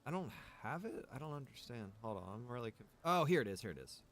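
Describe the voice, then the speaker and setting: A man's voice: mid-range voice, big pitch swings, fast talker. A man who streams games, thinking aloud casually and muttering to himself in a baffled way. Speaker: game streamer. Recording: clear background noise.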